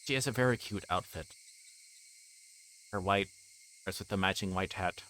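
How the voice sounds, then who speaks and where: A man's voice: deep voice, moderate pace, pushed and bright, a little hiss or hum, poor audio. A man livestreaming a visual novel, reading narration aloud with casual asides, often stumbling and rereading lines. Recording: music playing behind the voice.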